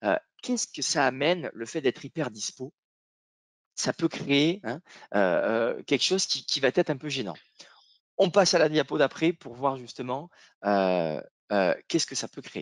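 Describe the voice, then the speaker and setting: Against a quiet background, with a dry, close sound and no echo, a man with a fairly high pitch and vocal fry talks at a fairly slow pace, with very wide pitch swings, big swings in loudness, and long, frequent pauses. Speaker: corporate trainer and coach. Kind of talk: webinar presentation. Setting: online webinar.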